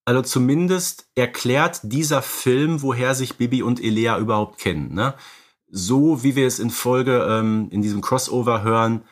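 A man's voice: mid-range voice, normal speed. A man co-hosting a podcast, explaining films conversationally and often adding little tag questions. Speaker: podcast co-host. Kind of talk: conversational film analysis.

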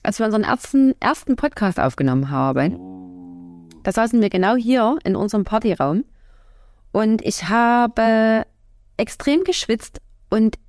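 A chatty woman with a Saxon accent, co-hosting a relaxed podcast conversation. She talks in an even, mid-range voice, often stopping on filler sounds before she goes on. The sound is dry and close, with little room echo. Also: medium pitch, unhurried. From Erzgebirge, Saxony. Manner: chatty, hesitant with fillers, laughs easily. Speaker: podcast co-host. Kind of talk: casual chat. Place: home party room.

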